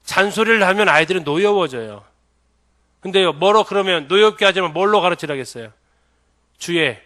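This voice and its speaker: A middle-aged man teaching a church seminar in a bright, ringing voice pitched a little high. He keeps turning to the listeners with questions and answers them himself. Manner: asks the audience many questions. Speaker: pastor.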